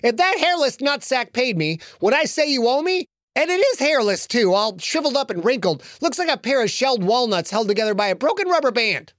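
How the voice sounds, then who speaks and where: A man's voice: very high voice, sing-song, a little fast, fairly bright tone, no echo, clean studio sound, voice pushed up, full character voice. A man voicing a crude, foul-mouthed male gnome who mocks and insults in a story reading. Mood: crude scorn. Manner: profane, mocking.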